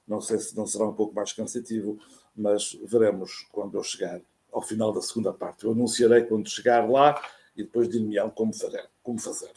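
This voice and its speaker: A man with a European Portuguese accent giving a formal academic lecture over a video call, speaking in a careful, measured way as a university professor. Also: fairly low pitch, little pitch movement, warm tone. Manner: measured, careful, formal delivery with hesitations when speaking off text. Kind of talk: academic lecture read from a prepared text.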